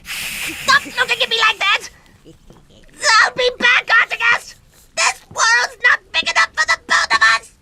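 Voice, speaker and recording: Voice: very high-pitched, unhurried, gravelly, pauses often, exaggerated voice. An actor playing a mad scientist shrunk into a small child, making blustering demands in a comic radio drama, on a noisy recording. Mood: indignant. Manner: demanding, melodramatic villain bluster.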